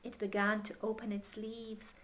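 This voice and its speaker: A woman storyteller narrating a children's storybook expressively and deliberately, letting phrase endings drop to a hush and speaking directly to young listeners. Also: mid-range voice, little pitch movement, slight background noise, poor audio.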